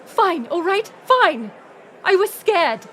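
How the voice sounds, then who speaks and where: A woman's voice: extremely high pitch, very animated, slow pace, a bit bright, a little hiss or hum, exaggerated voice. A woman playing a proud, weary middle-aged queen mother in a dramatic audio roleplay, formal and commanding. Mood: commanding, defensive. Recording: music and crowd murmur behind. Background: music and banquet crowd.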